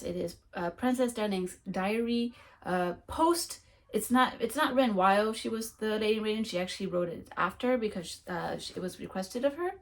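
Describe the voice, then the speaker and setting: A woman who is a French speaker, chatting casually through a monthly reading wrap-up, rambling with frequent ums and restarts. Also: mid-range voice. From United States. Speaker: book vlogger.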